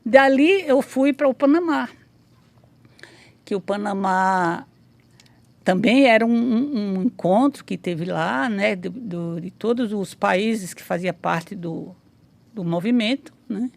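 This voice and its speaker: A Brazilian woman in her sixties, a memoirist appearing as an interview guest, tells her life story casually, rambling with many restarts and tag questions. Her medium-pitched voice is creaky, and she takes it slowly.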